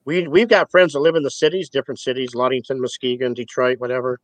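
A man's voice: mid-range voice, fairly even intonation, fast talker, dry recording. A man in his sixties being interviewed, talking in a rambling, folksy way and chuckling between points. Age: 60s. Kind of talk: casual spoken interview.

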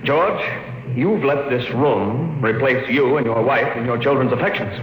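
A man's voice: mid-range voice, moderate pace, close to an everyday voice. Man playing a grave psychologist, echoey old radio. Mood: urgent warning. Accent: American. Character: grave male child psychologist, blunt, urgent, wary. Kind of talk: 1950s American radio drama acting. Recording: echoey old radio broadcast, music behind.

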